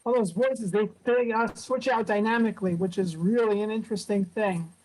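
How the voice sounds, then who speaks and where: A woman casually presenting a software demo on a video call at a club meetup, talking in a relaxed way with lots of fillers. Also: mid-range voice, moderate pace, low-quality recording.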